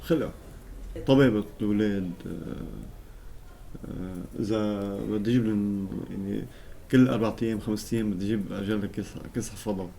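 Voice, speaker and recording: Man, aid recipient, casual and halting testimony in fast bursts, faint noise behind. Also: lowish voice, fairly even intonation, vocal fry, dark tone.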